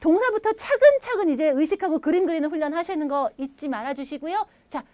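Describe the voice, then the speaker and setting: A high-pitched woman delivers an English grammar lesson with animated energy, coaxing students to repeat sentences after her. The sound is dry and close, with no room behind it. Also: quick pace, no room sound. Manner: lively, animated, leads repeat-after-me drills; acts out little dialogue lines in playful voices. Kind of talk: recorded video lecture.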